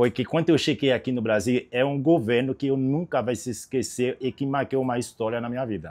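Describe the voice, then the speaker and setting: Recorded very cleanly against a silent background, a man with a Haitian Creole accent speaks at a moderate pace in a medium pitch. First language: Haitian Creole (speaking Portuguese). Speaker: immigrant activist and researcher. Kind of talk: interview.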